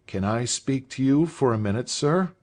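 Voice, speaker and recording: A man's voice: medium pitch, animated, moderate pace, a little mellow, voice pushed up, lightly acted. A man reading aloud voices a nervous, earnest teenage schoolboy who speaks hesitantly.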